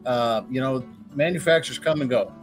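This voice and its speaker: A man at an average pitch hosts a live RV question-and-answer show in a loose, folksy way. He strings his answers together with fillers and likes to slip in a joke, and soft guitar music plays behind him. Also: brisk. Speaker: host. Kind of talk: casual live Q&A chat.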